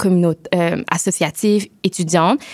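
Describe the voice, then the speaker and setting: An unremarkable speaking voice from a woman, medium in pitch and fairly even in intonation, at a fairly slow pace, with a dry, close sound with no echo and a very clean recording over a silent background. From Montreal, Quebec (Saint-Michel). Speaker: doctoral student, community activist. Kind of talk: panel discussion.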